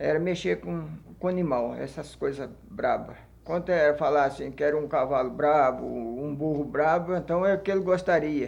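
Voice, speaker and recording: A man speaks at a moderate pace in an ordinary speaking voice, his fairly high pitch moving with ordinary variation. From Brazil, Minas Gerais (Triângulo Mineiro, Monte Alegre area). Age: 60s. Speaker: life-story interviewee. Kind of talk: oral history interview.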